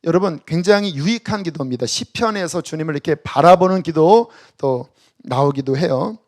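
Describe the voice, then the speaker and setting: Pastor guy preaching in church, kinda high voice, goes from loud to whispery, has everyone read verses with him. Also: lively intonation, normal speed. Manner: shifts between loud exhortation and hushed, whispered examples; leads the congregation in reading scripture aloud. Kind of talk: sermon. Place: church worship service.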